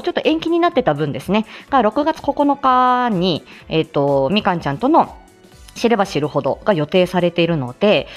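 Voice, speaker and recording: A woman who works as a speech-language therapist, chatting casually on her own live stream, full of fillers and little laughs. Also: mid-range voice.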